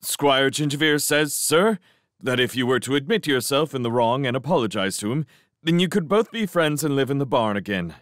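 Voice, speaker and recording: A man's voice: medium pitch, expressive, normal speed, no room sound, clean studio sound, pitched above the performer's own voice, close to an everyday voice. A man doing an eager young mouse warrior. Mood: earnest. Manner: eager and earnest, calling out loudly. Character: brave young male mouse warrior, earnest.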